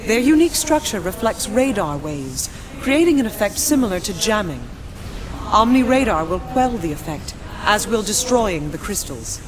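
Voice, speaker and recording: An actress playing a noble young female princess who speaks in a formal, measured way in a game. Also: mid-range voice, big pitch swings, crowd noise, lightly acted, low-quality recording. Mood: dignified. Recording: game score under the voice.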